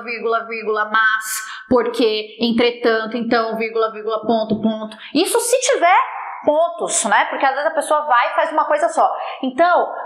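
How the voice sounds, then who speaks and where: A woman's voice: fairly high pitch, a bit bright, echoey room. A woman teacher giving an exam-prep lesson, playful and teasing as she talks her students through writing. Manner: playful, teasing, talks while drawing on a slide.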